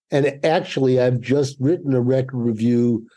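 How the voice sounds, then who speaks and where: A man talks fairly slowly in a medium-pitched voice with a dark, mellow tone. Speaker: jazz critic and former magazine editor. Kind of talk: interview.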